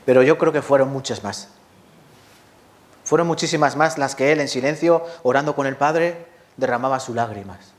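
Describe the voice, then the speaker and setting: A man's voice: medium pitch, normal speed. A man preaching a sermon to his congregation, often asking rhetorical questions and addressing the listeners directly. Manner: rhetorical questions, lively rises and drops. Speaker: pastor.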